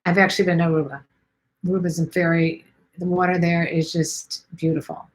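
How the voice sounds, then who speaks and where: Woman, middle-aged, from Chicago, live stream host, casual chat, rambling, somewhat low voice. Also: little pitch movement, fairly quick, rough recording. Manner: chatty, rambling, many ums and let's sees. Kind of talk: casual live chat reading viewer comments.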